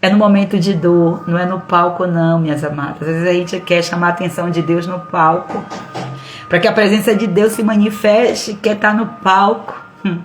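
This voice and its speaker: A middle-aged woman pastor with a Brazilian Portuguese accent preaching an expressive livestream sermon, acting out the voices she quotes. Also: lowish voice, normal speed, slight background noise. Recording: roomy sound with faint music.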